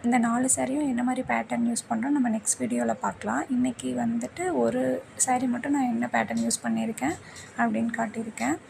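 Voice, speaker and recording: Female vlog narrator, slightly high pitch with heavy creak, polite and explanatory, noisy home recording. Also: fairly even intonation, fast. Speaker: small-business designer, vlogger. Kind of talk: scripted-sounding vlog voice-over.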